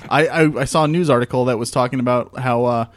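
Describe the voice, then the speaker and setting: Speaking fast in a mid-range voice, a New Jersey-accented man from the US East Coast hosts a gaming podcast. It's a casual chat where he jokes around, teases and laughs with his co-hosts, and the audio carries no echo.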